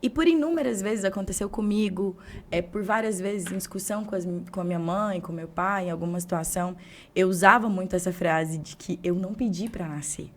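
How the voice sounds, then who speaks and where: Woman, Brazilian Portuguese accent, podcast host, animated storyteller, mid-pitched voice. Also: fairly quick. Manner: animated storyteller, acts out dialogue. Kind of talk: casual interview chat.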